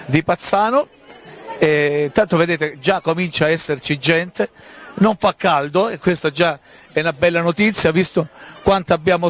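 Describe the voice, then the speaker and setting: A man reports live. His voice sits a little high for a man. He chats and keeps asking questions as he moves along interviewing people. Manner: chatty, inquisitive. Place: outdoors at a busy village street festival.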